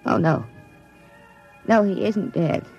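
A woman's voice: medium pitch, slow pace, vocal fry, darkish tone, highs cut off, soft background music. An actress playing a frightened young woman who speaks anxiously and pleads, in an old radio drama. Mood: terrified. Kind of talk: 1950s radio drama acting.

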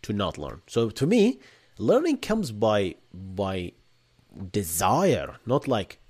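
Low-voiced man with an Arabic accent. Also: huge pitch swings, slow pace, a little mellow, breathy edge. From Bahrain. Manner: casual, thinks aloud with restarts and rhetorical "right?". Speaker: host. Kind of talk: live Q&A stream, reading chat questions.

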